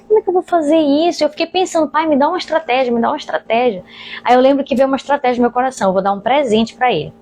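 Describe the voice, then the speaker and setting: Quick, high-voiced Brazilian woman pastor. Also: a little mellow. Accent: Brazilian Portuguese. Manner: earnest, addresses listeners directly. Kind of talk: preaching testimony.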